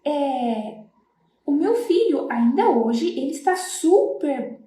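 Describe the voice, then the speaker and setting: A middle-aged woman with a high, mellow voice talks to parents in a casual, earnest way, explaining step by step and often checking that they follow. She comes from Brazil. The sound is echoey, as if recorded in an open room. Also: big pitch swings, slow. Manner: earnest, explanatory, with many "né?" tags. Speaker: floral therapist.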